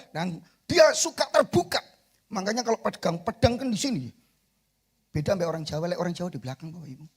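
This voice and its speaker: A middle-aged male pastor with an East Javanese accent preaching an animated sermon in a church, swinging between soft asides and shouted peaks and calling for amens. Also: sits high, breathy edge. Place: church sanctuary.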